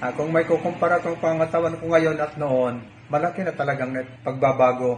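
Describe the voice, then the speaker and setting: A man at a fairly high pitch and fairly quick pace, with fairly even intonation and noticeable background noise. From Philippines, Leyte (Tacloban City). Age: 60s. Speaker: welder, testimonial patient. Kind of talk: testimony.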